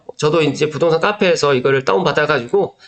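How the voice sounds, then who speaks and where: A man speaks over noticeable background noise. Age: 40s. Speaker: real estate YouTuber. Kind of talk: casual commentary monologue. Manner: fast; hesitant fillers.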